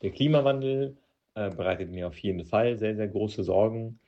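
A man's voice: fairly low pitch, moderate pace, lo-fi sound. A young man whose first language is Russian, giving a hesitant personal account with many filler sounds. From Russian-speaking country. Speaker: interviewee. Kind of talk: personal account answering questions.

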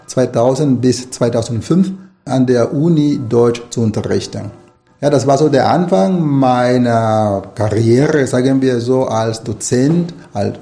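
A middle-aged man from Nicaragua, whose first language is Spanish, answers interview questions at a thoughtful, meandering pace, restarting his sentences. His voice is gravelly and dark. It sits at an ordinary pitch. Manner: thoughtful, rambling, many restarts and fillers. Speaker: author and language lecturer.

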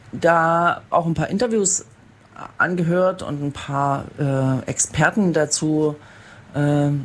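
A podcast host leading a casual chat, talking quickly and asking guests questions. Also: mid-range voice, gravelly, slight background noise. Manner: lively, quick, asks questions.

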